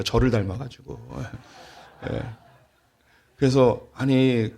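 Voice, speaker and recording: A middle-aged man preaching a sermon as a pastor, telling a family story with light humor and plainspoken warmth before turning to the gospel message. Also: fairly low pitch, gravelly, breathy edge. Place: church sanctuary.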